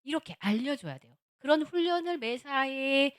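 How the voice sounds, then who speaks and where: A middle-aged woman, a seminary professor, giving a lively lecture on marriage at a church, acting out little dialogues and repeating words for emphasis. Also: sits high, normal speed. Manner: animated, acts out little dialogues of husbands and wives.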